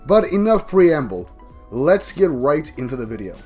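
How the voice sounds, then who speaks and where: A man's voice: on the high side, big pitch swings, normal speed, darkish tone, breathy edge, faint music behind. Groggy man recapping a manga chapter. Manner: enthusiastic, rambling recap with restarts. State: groggy from a cold. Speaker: manga review YouTuber. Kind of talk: casual manga chapter review.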